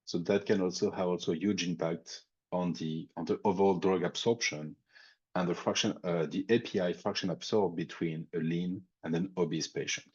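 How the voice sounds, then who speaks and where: A man's voice: low voice, steady tone, moderate pace, a little mellow, husky, muffled recording. A man with a French accent presenting a technical webinar, thinking aloud with frequent fillers and restarts. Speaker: industry expert presenting a webinar.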